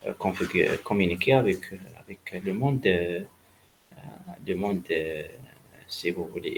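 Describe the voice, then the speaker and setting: A male lecturer speaks in a low voice with a gravelly creak. He explains step by step, halting often and restating key points for his students. Faint noise sits behind the voice. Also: rough recording. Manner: didactic, repeats key points for emphasis. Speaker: networking lecturer. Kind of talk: spoken university lecture.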